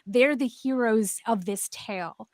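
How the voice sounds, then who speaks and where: A woman's voice: fairly high pitch, measured pace, darkish tone, dry recording, clean studio sound. A woman speaking as a panel guest, explaining her creative project with enthusiasm.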